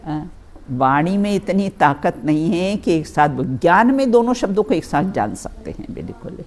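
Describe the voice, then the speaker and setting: A religious teacher with a lowish, darkish voice and big pitch swings reads a scripture text aloud and slowly explains it with everyday examples. She addresses her listeners as children and repeatedly checks with them using "है ना" and "बिल्कुल".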